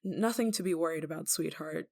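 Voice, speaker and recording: Woman acting fragile, halting, lovesick young woman. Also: deep voice, creaky, warm tone. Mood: gentle, uneasy. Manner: halting, stammering, emotionally fragile. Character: desperate, guilt-ridden young woman, obsessive lover, tender and anxious. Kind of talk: intimate dramatic audio roleplay.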